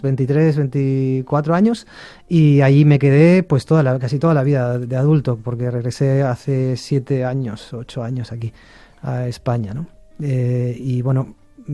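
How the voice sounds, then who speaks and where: A middle-aged man from Argentina answers interview questions in an unhurried, hesitant way, full of fillers and restarts. His voice is mellow and soft-edged, recorded dry and close with no room around it. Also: medium pitch, dry recording. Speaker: interview guest, shakuhachi musician. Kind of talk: relaxed conversational interview.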